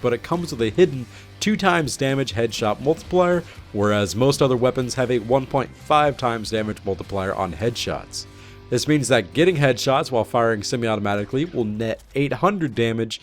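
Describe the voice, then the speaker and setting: A man narrating a scripted video game patch review as the host. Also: mid-range voice.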